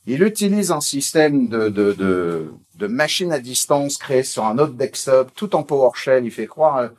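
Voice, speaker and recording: A man presenting at a technical conference, talking in a loose, chatty way. He stumbles through restarts, fillers and repeated words as he goes. His voice sits at an ordinary middle pitch. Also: lively intonation. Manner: rambling, halting delivery with many fillers and repeated words; informal, chatty tone. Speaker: conference speaker.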